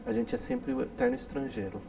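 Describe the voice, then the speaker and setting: A man from the interior of São Paulo, a guest speaking in a measured way and searching for his words. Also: extremely high pitch, wildly swooping pitch, creaky. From Brazil, interior of São Paulo. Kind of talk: casual interview talk. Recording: distant mic with faint noise.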